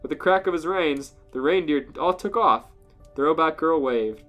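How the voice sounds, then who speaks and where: Bright-voiced joking podcaster over faint music. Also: medium pitch, expressive, moderate pace, lo-fi sound. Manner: incredulous, joking, laughs while talking. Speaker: podcast co-host. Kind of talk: casual comedic banter and story reading.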